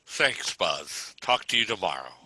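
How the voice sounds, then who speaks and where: A man's voice: low-pitched, sing-song, a little slow, bright, forceful tone, a little hiss or hum, heavily acted. A man acting a grumbling, put-upon middle-aged suburban father in a comedy table read. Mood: weary, grateful.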